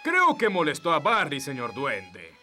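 A man's voice: fairly high pitch, wildly swooping pitch, unhurried, bright, forceful tone, soft background music, full character voice. A man voicing a self-assured, reassuring fairy king in a children's cartoon dub. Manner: reassuring, confident. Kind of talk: animated children's series dub.

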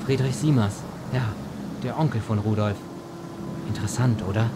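A man's voice: lowish voice, moderate pace, close to an everyday voice. An actor playing a grim, resolute man recounting his ordeal in an audio drama. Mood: matter-of-fact, secretive. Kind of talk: audio drama acting, storytelling. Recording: clear vehicle noise behind voice.

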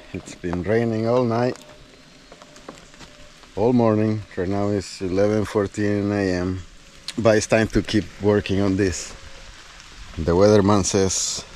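Male outdoor vlogger, unhurried and fairly low, casual working commentary in loose fragments, faint outdoor noise behind. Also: mellow, low-quality recording. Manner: thinking aloud in short, trailing phrases. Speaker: outdoor bushcraft video host. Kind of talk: casual talk while working. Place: outdoors at a building site.

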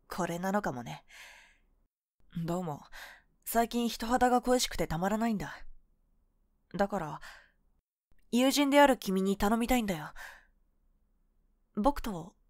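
A woman voicing a cool, boyish young woman, a possessive and sweetly manipulative lover, in an ASMR role-play of intimate pillow talk, soft, breathy and coaxing, close to the microphone. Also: medium pitch, no echo, close to an everyday voice. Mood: coaxing, confiding. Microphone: close microphone, dry.

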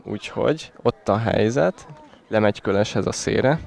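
A man's voice: on the low side, vocal fry, a little mellow. A man giving conversational live football commentary in short calls, outdoors at a small ground.

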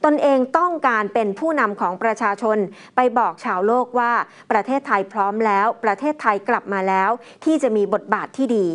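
A woman news anchor reading a political report in a steady, formal manner. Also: fairly high pitch.

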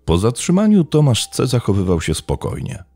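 A man telling a true-crime story as a scripted narration, in a measured, dramatic way. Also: medium pitch, huge pitch swings, warm tone.

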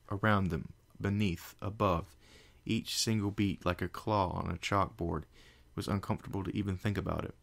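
A man narrates a fan story in a steady, measured way. His voice is on the low side with a strong vocal fry. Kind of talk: fan fiction audiobook reading.

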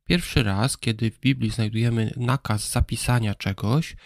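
Male presenter, gravelly mid-pitched voice, calm scripted explainer, dry close sound. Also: no room sound. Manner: calm explanatory, spells out letters slowly. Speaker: presenter of a Bible history program. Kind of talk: scripted educational narration.

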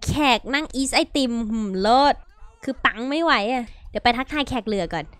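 A woman hosting a casual gameplay video, chatty and playful, talking straight to her viewers with quick exclamations. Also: a little high, expressive, fairly bright tone, dry recording. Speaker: gaming video host. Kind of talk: casual let's-play commentary.

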